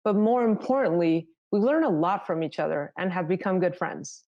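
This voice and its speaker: A woman from South Texas, a native Spanish speaker, giving a prepared conference talk in a steady storytelling manner. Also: lowish voice, normal speed, highs cut off. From South Texas, United States.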